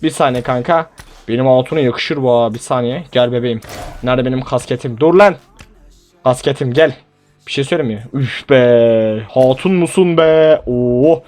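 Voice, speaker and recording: A young man giving casual, animated gameplay commentary, pleading with and exclaiming at the game as he plays. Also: medium pitch, normal speed, faint music behind. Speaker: gaming YouTuber.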